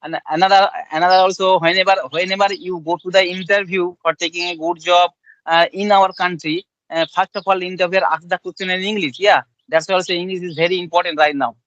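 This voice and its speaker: A Bengali-accented man from India with a high voice talks politely, often repeating his phrases. The audio is dull and lo-fi, with a dry, close sound. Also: steady tone, a little fast, a bit bright, no echo. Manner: polite, repetitive, simple phrasing. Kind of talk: casual chat.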